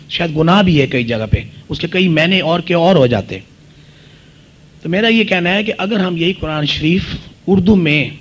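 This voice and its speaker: A man's voice: a little high, muffled recording. A man from the audience politely and deferentially asking a long-winded question after a lecture.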